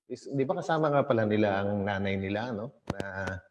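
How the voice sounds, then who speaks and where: A man's voice: on the low side, normal speed. A man hosting a casual gossip vlog, reading posts aloud and laughing often.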